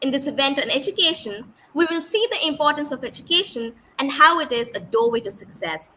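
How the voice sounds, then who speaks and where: A woman's high, raised and projected voice at a fairly quick pace, with very wide pitch swings. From India. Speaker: event moderator. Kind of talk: formal event moderation, scripted opening speech. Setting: online live event. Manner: formal.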